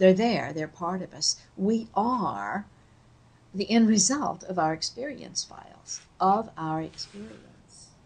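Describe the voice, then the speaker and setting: A woman with an American accent and a medium pitch speaks at a very slow pace. Her intonation is lively, with vocal fry. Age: 70s. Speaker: hypnosis and NLP trainer. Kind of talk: interview.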